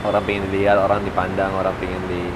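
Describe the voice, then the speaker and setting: A young musician talks in a relaxed, halting way, often pausing to find his words. His voice sits a little low. The recording is outdoors with clear street and traffic noise behind him. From Indonesia. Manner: hesitant, searching for words. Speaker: musician guest, bassist and singer. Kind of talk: casual interview chat.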